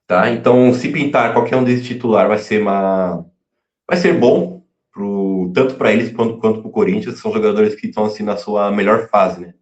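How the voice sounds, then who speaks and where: A man giving casual pre-match football talk, halting, full of fillers and restarts. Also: on the low side, darkish tone. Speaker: fan channel pundit. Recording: echoey room, dull lo-fi sound.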